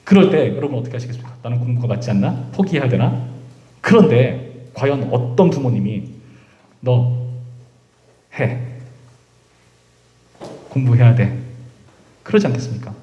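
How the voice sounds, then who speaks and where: Korean pastor preaching in a roomy church. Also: male voice, medium pitch, big pitch swings, fast, dark tone, highs cut off. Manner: addresses listeners often, acts out voices of God and Moses. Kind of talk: youth service sermon. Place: church sanctuary.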